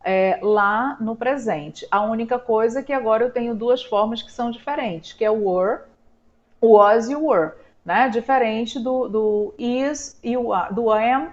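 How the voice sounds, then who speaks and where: A Brazilian woman with a somewhat high voice, teaching an online lesson in a patient, step-by-step way. She drags out her example words slowly and keeps checking in with the listener. The recording is a bit dull and lo-fi, with light typing on a keyboard behind her. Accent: Brazilian Portuguese. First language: Portuguese. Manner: slow drawn-out model words, frequent "tá?". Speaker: English teacher. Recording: slightly dull lo-fi sound.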